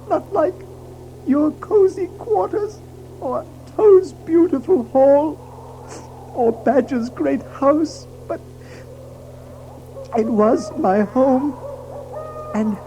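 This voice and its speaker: A woman playing a timid, homesick little male mole in a storybook audio drama, speaking plaintively and haltingly. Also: high-pitched, dark tone, slight background noise, rough recording.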